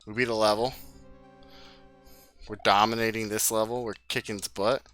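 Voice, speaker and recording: A tired male streamer with a slight lisp and a lowish voice that still comes out bright and forceful. He chats excitably and swears freely as he plays, with faint music underneath. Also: moderate pace, clear, resonant tone. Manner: excitable, swears casually, talks to chat. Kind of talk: casual gameplay commentary.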